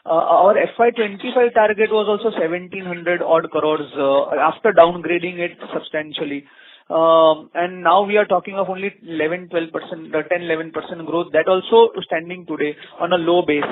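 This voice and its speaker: A man's voice: sits high, fairly even intonation, normal speed, a little hiss or hum. A man, heard over a faint, feeble phone line, asking a probing question on a conference call. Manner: probing, builds a question from many figures.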